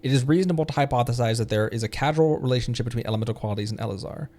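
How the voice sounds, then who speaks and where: A man's voice: medium pitch, very fast, a little mellow. Man reading aloud on a game stream.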